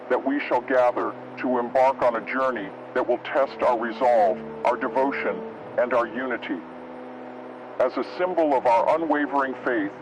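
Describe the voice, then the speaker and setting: A man's voice: medium pitch, noisy background, lightly acted. A man playing the devout leader of an apocalyptic Christian group, making a solemn, earnest proclamation. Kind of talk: scripted solemn rallying proclamation. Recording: dull lo-fi radio sound, loud music.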